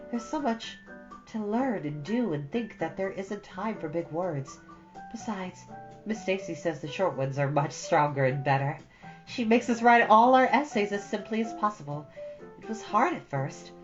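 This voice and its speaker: A woman's voice: medium pitch, animated, normal speed, voice pushed up, close to an everyday voice. A woman voicing a thoughtful, earnest fifteen-year-old girl from a storybook, reflective and dreamy. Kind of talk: storybook character dialogue. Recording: dull audio over soft guitar music.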